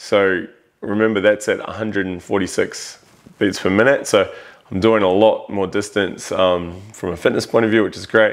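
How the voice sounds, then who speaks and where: A man speaks at a fairly low pitch against a quiet background. His delivery is fairly slow and monotone, with flat intonation. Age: 30s. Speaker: vlogger. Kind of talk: casual chat. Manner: casual with many fillers. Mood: candid, self-mocking. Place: gym. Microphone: lapel.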